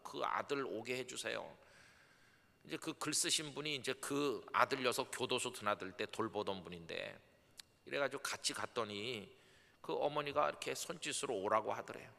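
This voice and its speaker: Gravelly-voiced pastor preaching in a church hall. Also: male voice, medium pitch, normal speed. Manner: acts out quoted voices, swings from soft to emphatic. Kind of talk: dawn sermon with storytelling. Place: church sanctuary.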